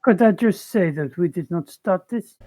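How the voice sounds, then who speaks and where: A woman's voice: on the low side, expressive, normal speed, dark tone. A woman playing a tabletop game, chatting and bantering casually with the group.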